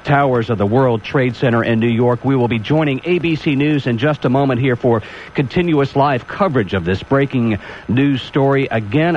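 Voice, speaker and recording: A man anchoring a breaking news bulletin on local radio, speaking in a measured, steady way, heard with a tinny sound like a clock radio. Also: medium pitch. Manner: measured, steady delivery with a few restarts. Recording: dull lo-fi radio broadcast with faint hiss.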